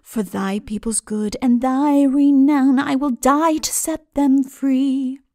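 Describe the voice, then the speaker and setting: A woman voicing an earnest, selfless young prince in a storybook ballad, chanting with drawn-out phrases. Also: sits high, fairly even intonation, mellow, voice pushed up. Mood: earnest, resolute. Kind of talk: slow sung ballad storytelling.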